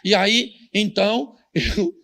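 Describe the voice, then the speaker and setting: A man's voice: sits high, lively intonation, takes it slowly, vocal fry, a bit bright. A Brazilian man preaching a humorous sermon as pastor, telling jokes and stories straight to the congregation. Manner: joking storyteller, talks straight to the congregation.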